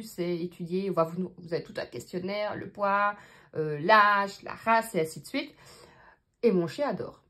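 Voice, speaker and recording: In casual talk to camera, a budgeting vlogger with a Belgian French accent tallies up her budget, thinking out loud and using many fillers. She speaks at medium pitch.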